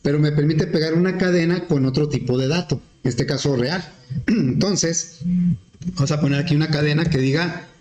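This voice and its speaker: A man teaching programming, explaining step by step with questions to the class and often clearing his throat. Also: fairly high pitch, moderate pace, a little mellow, slight background noise. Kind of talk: screen-recorded class explanation. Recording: echoey room.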